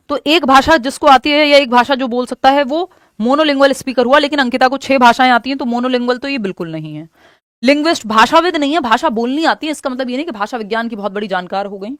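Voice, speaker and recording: A woman teacher working through exam questions, explaining in Hindi mixed with English terms and reading questions out slowly. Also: high voice, dry recording, clean studio sound. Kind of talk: exam-prep lesson.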